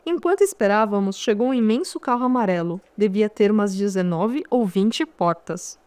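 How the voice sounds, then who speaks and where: With lively intonation and a slightly mellow, medium-pitched voice, a woman with a Brazilian Portuguese accent narrates a first-person memoir audiobook at a moderate pace. Her storytelling is conversational, peppered with wry asides to the listener, and the audio has no echo.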